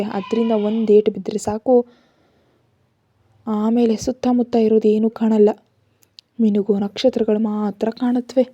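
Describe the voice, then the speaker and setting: Woman doing young wife in a story, pleading n teasing, husky low-key voice, dry sound. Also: dark tone, dry recording, lo-fi sound, natural voice. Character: frightened young woman pleading for her brother.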